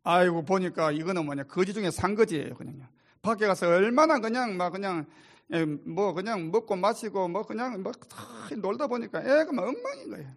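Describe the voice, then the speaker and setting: Male pastor, high and animated, preaching with sudden drops to near-whispered storytelling. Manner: swings from loud preaching to hushed storytelling. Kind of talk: sermon.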